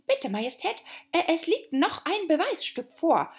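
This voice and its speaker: A woman's voice: extremely high pitch, wildly swooping pitch, measured pace, pitched above the performer's own voice, heavily acted. A woman playing a stammering, flustered white rabbit. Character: nervous stammering male white rabbit herald.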